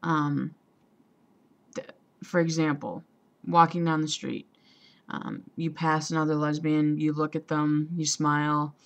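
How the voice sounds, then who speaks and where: A young trans man talking casually to a camera, hesitant, with many ums and pauses, and a voice that still sounds female. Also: fairly high pitch. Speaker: vlogger. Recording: dull lo-fi home recording.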